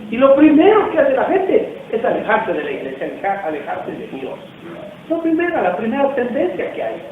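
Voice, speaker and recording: A man's voice: very high-pitched, huge pitch swings, moderate pace. A man preaching a sermon as pastor, talking casually and asking the congregation questions. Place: church hall. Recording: distant, echoey, tinny, faint noise.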